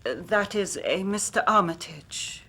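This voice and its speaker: An actress playing a frightened young woman who comes to a detective for help, speaking in an urgent, often hushed voice. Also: medium pitch, expressive, a little slow, a little hiss or hum. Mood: pleading. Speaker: actress in radio drama. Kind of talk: radio drama acting.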